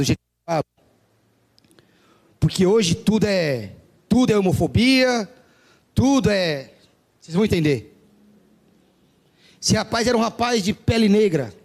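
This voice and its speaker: A man's voice: high voice, a little mellow. A man preaching a sermon, emphatic, stretching out stressed words.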